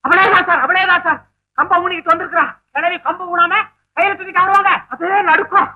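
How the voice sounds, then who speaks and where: An actor playing a brash young troublemaker in a 1960s film comedy, talking excitedly and bursting into shouts. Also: male voice, extremely high pitch, quick pace, lo-fi sound. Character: brash cheeky young man, loud comic troublemaker. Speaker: comic young man confessing to a theft.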